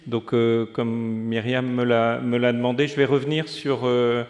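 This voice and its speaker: A man's voice: medium pitch, little pitch movement, unhurried, a little mellow. A man giving formal conference remarks on a panel, with hesitant phrasing and frequent fillers. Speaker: foundation representative, panelist. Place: lecture hall. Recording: long hall reverb.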